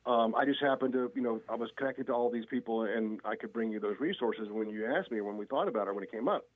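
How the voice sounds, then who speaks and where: A man's voice: medium pitch, fast talker, narrow, tinny audio. A middle-aged man calling into a radio show, telling stories casually with lots of fillers. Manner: rambling storyteller, many fillers. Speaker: guest on the show.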